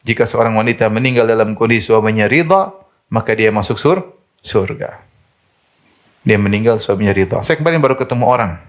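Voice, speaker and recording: A man's voice: lowish voice, fairly quick. A man preaching an Islamic sermon to women, telling stories and mimicking the people he quotes. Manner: animated storytelling, mimics quoted speakers.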